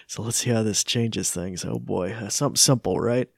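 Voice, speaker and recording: A man's voice: on the low side, moderate pace, creaky, slightly rough, no room sound. Casual man with dry, close sound. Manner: informal, hesitant, easily amused. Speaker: tech demonstrator. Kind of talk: casual live product demo.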